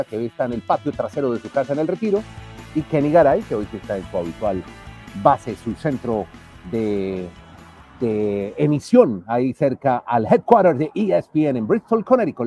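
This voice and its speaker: A man's voice: mid-range voice, warm tone. A man hosting a sports podcast in a casual, joking way, calling in from a restaurant terrace next to a busy avenue. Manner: chatty, jokey, self-interrupting. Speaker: podcast host. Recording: dull lo-fi sound, faint music.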